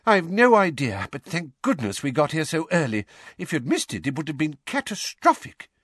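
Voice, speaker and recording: A man's voice: a little high, wildly swooping pitch, moderate pace, a bit bright, no echo, pitched above the performer's own voice, exaggerated voice. A harried middle-aged wizard, panting out urgent words in a raised, lifted voice, as a male narrator acts him out. Dry, close storybook reading. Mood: relieved. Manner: urgent, breathless.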